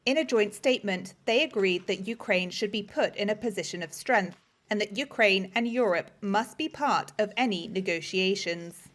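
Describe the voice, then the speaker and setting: A woman narrating a scripted news report in a measured, matter-of-fact way as a reporter. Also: mid-range voice, fairly bright tone.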